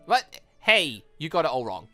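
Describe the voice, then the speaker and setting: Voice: mid-range voice, very animated, moderate pace, bright, forceful tone, faint music behind. A gamer reading aloud a brash, teasing young woman student fighter from a visual novel. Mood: assertive.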